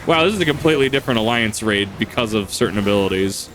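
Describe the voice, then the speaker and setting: A man's voice: lowish voice, expressive, fast, a bit bright. A man streaming a game, chatting casually and rambling with lots of fillers and restarts. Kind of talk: casual gameplay chat.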